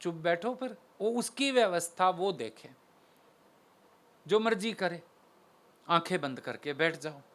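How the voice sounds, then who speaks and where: A man's voice: sits high, expressive, unhurried, pauses often, fairly bright tone. A male spiritual preacher giving a devotional sermon, animatedly acting out household dialogue while telling stories. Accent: Delhi Hindi.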